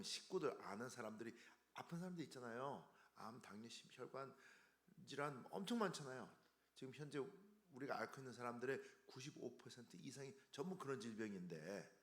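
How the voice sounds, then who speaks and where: A man, giving an informal health seminar in a halting way with restarts and stumbles. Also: mid-range voice. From Korea, later raised in the United States. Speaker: seminar speaker, health researcher. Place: indoor seminar room. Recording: roomy, echoey seminar room.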